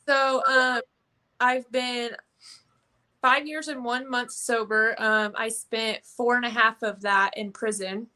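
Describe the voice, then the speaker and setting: A woman's voice: on the high side, steady tone, slow, pushed and bright. A young woman from Indiana telling her story as an interview guest, earnest, with many "um" fillers.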